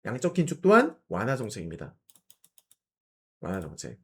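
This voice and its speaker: A middle-aged man with a cold and a slightly hoarse voice hosts an investment channel, explaining market news to viewers with rhetorical questions, fillers and frequent throat clearing. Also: fairly low pitch, wildly swooping pitch, moderate pace, fairly bright tone.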